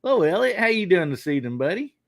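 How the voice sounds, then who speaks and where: A man hosting a live podcast, folksy and quick to laugh. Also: sits high, sing-song, vocal fry, dry recording. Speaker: podcast host.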